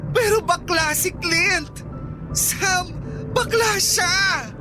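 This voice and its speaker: A performer acting a jealous, sharp-tongued, wounded gay office worker in an accusing, sarcastic Filipino radio drama style. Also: extremely high pitch, very slow, over music, full character voice. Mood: hurt, outraged. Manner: accusing, sarcastic, emotionally escalating.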